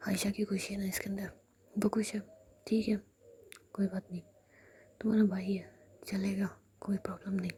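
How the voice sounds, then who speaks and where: A woman's voice: medium pitch, warm tone, a little hiss or hum, close to an everyday voice. A woman whispering the lines of a short-tempered, irritable young woman, curt and grumbling.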